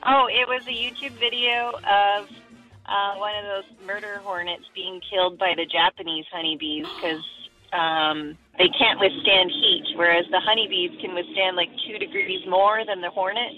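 A woman calling in to a radio show, with a bright, sharp voice and a friendly, easygoing way of explaining. Her call sounds dull and low-fidelity, with faint music underneath. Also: fairly even intonation, moderate pace. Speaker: caller. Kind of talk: casual phone-in chat.

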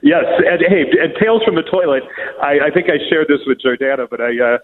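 Chatty male contributor calling in on a tinny phone line, restroom echo all around him, lively delivery. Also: on the high side, brisk, slight background noise. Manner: chatty, self-joking. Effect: echo of a tiled public restroom. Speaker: weekly events contributor calling in. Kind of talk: casual radio call-in chat. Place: public restroom.

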